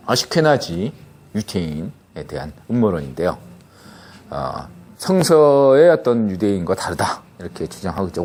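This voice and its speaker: A middle-aged podcast host explains a topic in a casual monologue, speaking in a low, slightly mellow voice. He talks conversationally, often breaking off to restart and checking in with listeners through rhetorical prompts like "예?".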